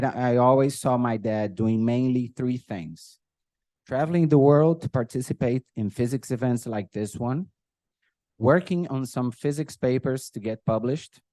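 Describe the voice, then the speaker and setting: A middle-aged man from Brazil, Portuguese being his native tongue, grows emotional during a personal, joke-laden speech at a birthday tribute. His medium-pitched voice has a dark tone with no room sound, and he keeps clearing his throat and turning humor on himself.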